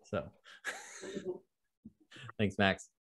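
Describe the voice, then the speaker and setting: A man's voice: on the low side, huge pitch swings, extremely slow, fairly bright tone, slightly rough. A man who works as an agile product coach, talking as a guest on a video call in an easygoing way, with lots of ums and a dry bit of humor. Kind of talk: casual video-call conversation. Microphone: webcam on a video call.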